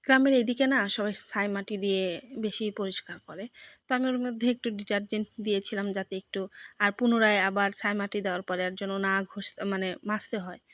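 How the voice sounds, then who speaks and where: A young village woman from Bangladesh talks through her day in a loose, rambling voice-over, her Sirajganj Bengali accent plain throughout. She keeps a relaxed, chatty storytelling manner, full of fillers and restarts. The recording is close and dry, with no room sound. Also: mid-range voice, fast talker, dry recording. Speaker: village vlogger. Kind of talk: casual voice-over vlog.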